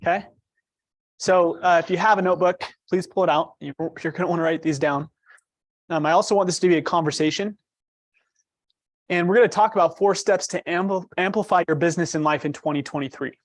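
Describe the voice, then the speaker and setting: A man with a quiet voice presenting a workshop, asking the audience questions as he goes. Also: high voice, fairly even intonation, fairly quick, no echo, clean studio sound. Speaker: trainer.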